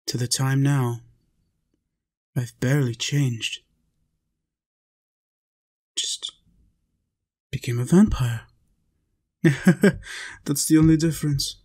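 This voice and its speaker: A man playing a centuries-old but youthful vampire in an intimate roleplay audio, coaxing and possessive yet tender, speaking in deliberate short phrases with pauses. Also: mid-range voice, dark tone. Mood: musing, hushed, then reassuring. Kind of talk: intimate roleplay audio, slow monologue to listener.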